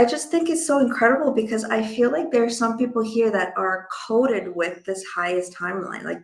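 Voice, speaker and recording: A woman hosts a casual online conversation in an effusive, informal way. Her voice sits at a medium pitch with a gravelly fry at the edges. The room adds a noticeable echo. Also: a bit bright. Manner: effusive, uses casual filler words like "like". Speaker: host and event organizer. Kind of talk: casual enthusiastic online interview.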